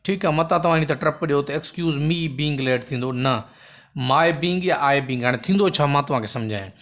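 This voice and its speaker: A man teaching English grammar, explaining patiently and repeating points, reading example sentences slowly. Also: a little high, a bit bright. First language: Sindhi. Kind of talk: recorded lesson explanation.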